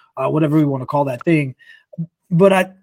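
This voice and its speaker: Lively intonation marks a man's speech. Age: 30s. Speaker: nutrition researcher and coach. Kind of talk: interview conversation.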